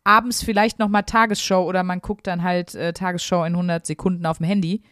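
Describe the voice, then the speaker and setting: Chatty woman, lowish dry voice. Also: flat delivery, quick pace, a bit bright, no echo. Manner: chatty, earnest, talks it through with many fillers. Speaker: podcast co-host. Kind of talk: casual podcast chat.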